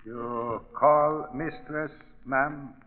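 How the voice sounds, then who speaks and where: An actor playing a stolid, loyal manservant in an old radio drama, speaking deferentially in clipped broken English. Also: male voice, mid-range voice, fairly even intonation, extremely slow. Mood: stolid, obedient. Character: slow, stolid, watchful island manservant, loyal and stubborn. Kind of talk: 1940s radio drama acting. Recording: muffled old radio recording, long reverb.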